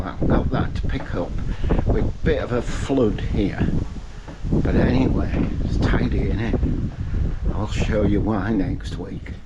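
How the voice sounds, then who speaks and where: Middle-aged guy, low and unhurried, dry asides while he works in the garage; DIY vlogger. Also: very noisy. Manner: wry, chatty asides between tasks. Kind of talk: casual talk-to-camera while working. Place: garage and yard, partly outdoors.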